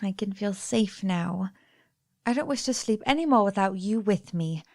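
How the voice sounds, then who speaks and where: A woman playing a loving young fiancée, soft and intimate, in a radio play. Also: mid-range voice, expressive, moderate pace, dry recording, studio quality, close to an everyday voice. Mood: tender.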